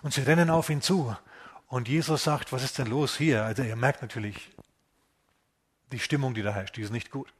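Male preacher, husky mid-pitched voice, animated and chatty sermon delivery. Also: moderate pace, pauses often. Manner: animated, acts out voices of biblical figures; conversational, asks the congregation questions. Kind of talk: lively sermon.

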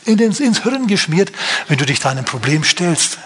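A man's voice: a little high, sing-song, moderate pace, slight background noise. A middle-aged man preaching a sermon at a church service, telling a story with animation and acting out the characters' lines. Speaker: pastor.

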